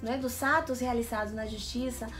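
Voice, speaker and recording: Higher-voiced Peruvian-born woman explaining her project. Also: steady tone, normal speed, music in the background. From Lima, Peru. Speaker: interview guest, project founder. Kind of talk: enthusiastic explanatory interview answers.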